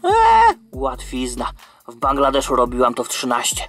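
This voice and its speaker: A man's voice: mid-range voice, huge pitch swings, normal speed, a bit bright, faint music behind, voice pushed down. A man voicing a brash, cocky female secret agent in a comic toy-brick animation. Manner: brash and casual.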